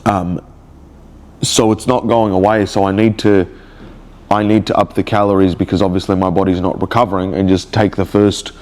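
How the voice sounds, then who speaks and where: A man recording a personal video diary, speaking in a slow, halting, reflective way with many restarts. He has a cold, and his nose sounds blocked. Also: low-pitched, level tone, a little mellow. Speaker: vlogger.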